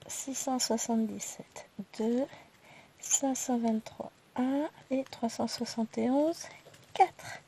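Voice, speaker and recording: A woman with a stuffy nose, casually counting her thread skeins aloud in slow, quiet numbers and chatting in asides. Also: fairly high pitch, background noise. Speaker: cross-stitch YouTuber.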